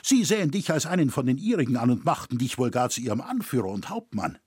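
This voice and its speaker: Man voicing an old boastful carver, gruff and blustering, husky, lively delivery, storybook part. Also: medium pitch, quick pace, dry recording, studio quality. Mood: scoffing. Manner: blustering, sharp-tongued.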